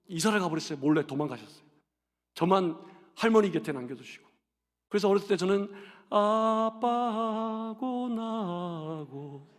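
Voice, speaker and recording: High-pitched gravelly Korean pastor preaching. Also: male voice. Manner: storytelling, acts out family voices, builds to shouted exhortation. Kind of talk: sermon with personal story. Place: church sanctuary. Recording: long church hall reverb.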